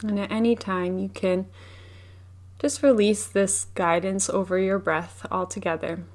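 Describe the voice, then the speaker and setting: A woman leading a guided meditation as a teacher, speaking in a gentle, unhurried, soothing way. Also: medium pitch, steady tone.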